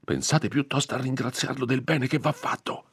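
A man voicing a fearful, irritable old male country priest who scolds in hushed urgency. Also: medium pitch, fairly even intonation, normal speed, breathy edge, dry recording, voice pushed up. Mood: stern lecturing.

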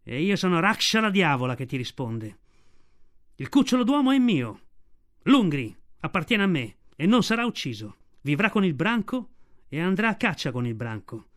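A man's voice: fairly high pitch, big pitch swings, normal speed, fairly bright tone. A man voicing a fierce mother she-wolf. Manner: fierce, defiant.

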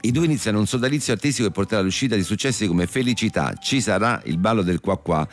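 Male comedy host, lowish voice, rapid deadpan reading of scripted material. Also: soft background music.

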